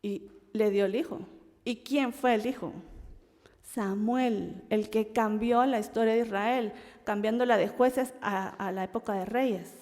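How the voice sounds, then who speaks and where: Animated woman teaching Bible study. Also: on the high side, unhurried, in a large hall. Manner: animated, acts out quoted voices, laughs often.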